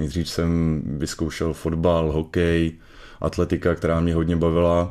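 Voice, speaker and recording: A man's very deep, low voice with a dark, mellow tone, monotone, flat intonation, very even loudness, and a fairly slow pace. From Rakovník, central Bohemia. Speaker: volleyball player. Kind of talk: radio interview. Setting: studio. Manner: hesitant.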